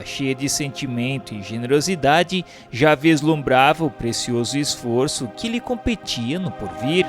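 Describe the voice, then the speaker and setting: A man reads a scripted historical narration in a formal, declamatory way. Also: fairly high pitch. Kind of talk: solemn scripted narration of a spiritist history text. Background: music.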